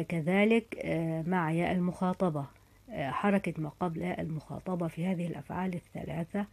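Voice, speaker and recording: Mellow-voiced woman teaching grammar. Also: fairly low pitch. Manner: methodical, says example verb forms slowly and carefully. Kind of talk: explanatory grammar lesson.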